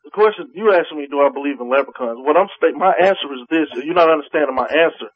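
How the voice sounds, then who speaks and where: A man's voice: a little high, fast, crowd noise. A man calling in to a radio show and arguing heatedly with the hosts, talking over them and repeating himself, heard through a phone line on air. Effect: caller heard over a phone line on air. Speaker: call-in caller to a radio show. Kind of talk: heated call-in debate.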